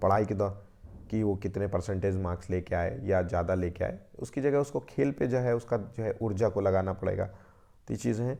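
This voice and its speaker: In a put-on character voice, a man speaks hoarsely at a fairly low pitch and a fairly quick pace against a quiet background. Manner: slow.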